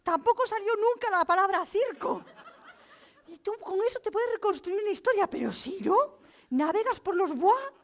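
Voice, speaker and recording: Middle-aged woman storyteller, high, lively lecture delivery. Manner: animated, acts out voices in her anecdotes. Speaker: storyteller giving a talk. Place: lecture hall.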